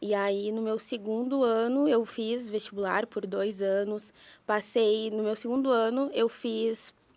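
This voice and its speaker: A woman speaks with a fairly high pitch. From southern Brazil. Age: 20s. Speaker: medical physics student; podcast guest. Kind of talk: casual interview. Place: studio. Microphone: studio mic.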